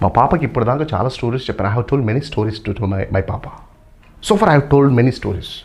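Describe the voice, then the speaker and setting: Medium in pitch, a man's unremarkable speaking voice carries lively intonation. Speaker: spoken English teacher. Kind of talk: bilingual Telugu-English lesson. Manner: repetitive drilling.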